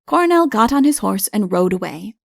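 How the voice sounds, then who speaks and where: A woman's voice: medium pitch, sing-song, normal speed, creaky, no room sound, clean studio sound. A woman reading a comic fairy tale as an audiobook narrator, in scripted storytelling style.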